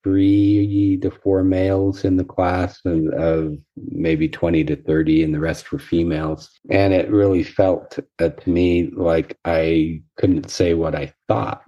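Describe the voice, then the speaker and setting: Husky man, deep low voice, congested with a cold, reflective and measured, dull lo-fi audio. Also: little pitch movement. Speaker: therapist, podcast guest. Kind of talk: casual chat.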